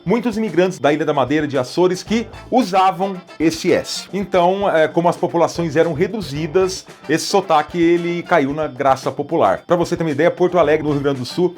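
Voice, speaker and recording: A man from Brazil presenting an educational explainer in a relaxed, conversational way, with frequent small hesitations. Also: fairly high pitch, a little fast, few pauses, faint music behind.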